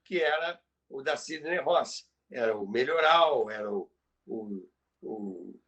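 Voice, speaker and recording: A man's voice: medium pitch, lively intonation, slow, a bit bright, muffled recording. A Brazilian man presenting in an informal lecture style, explaining didactically and repeating phrases for emphasis. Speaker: presenter explaining radio history.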